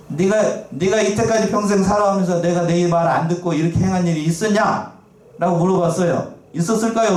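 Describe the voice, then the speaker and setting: Pastor in an echoey church. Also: male voice, on the high side, darkish tone. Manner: asks the congregation questions and reads scripture aloud. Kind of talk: sermon. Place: church sanctuary. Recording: echoey church, mic at a distance.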